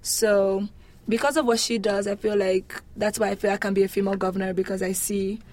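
A young woman from Nigeria with a Nigerian accent, a university student answering interview questions in an animated, emphatic, casual way. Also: medium pitch, brisk. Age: young adult.

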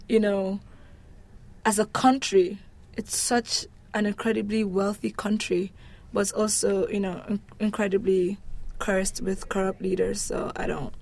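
A woman from Nigeria speaks candidly and informally as an interview guest, animated and given to emphatic repetition. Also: mid-range voice, a little slow, gravelly. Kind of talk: casual conversational interview.

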